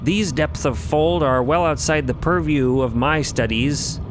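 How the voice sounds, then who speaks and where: A man's voice: a little high, unhurried, background noise, pitched above the performer's own voice, close to an everyday voice. A man voicing a formal, emphatic motherly scholar in an audio drama. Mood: emphatic, baffled. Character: exclaiming motherly scholar named Artifice, yelling in theatrical bafflement. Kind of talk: audio fiction character acting.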